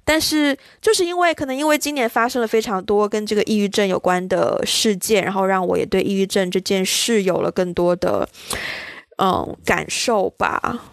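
A woman's voice: medium pitch, moderate pace, gravelly, dry recording, clean studio sound. A woman, co-hosting a casual podcast in a reflective conversational manner. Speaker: podcast co-host.

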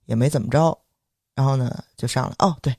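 A young man with a Beijing accent, telling an indignant story on a podcast in lively casual chat and acting out the voices of the people involved. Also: mid-range voice, brisk, gravelly, slightly rough, no room sound, clean studio sound. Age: young adult. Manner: animated, indignant, acts out quoted voices. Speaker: podcast co-host.

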